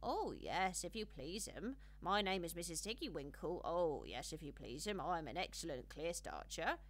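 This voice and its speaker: A woman's voice: lowish voice, big pitch swings, moderate pace. Woman playing a fussy little hedgehog washerwoman. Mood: humble, proud. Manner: deferential, bobbing, busy country-servant talk. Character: small stout female hedgehog washerwoman, humble, fussy, industrious.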